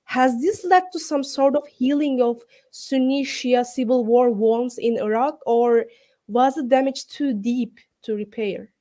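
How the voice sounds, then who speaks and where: A woman hosts a panel debate with a soft-edged, very mellow voice that sits somewhat high. She delivers prepared questions in a formal way. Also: measured pace. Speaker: host, moderator.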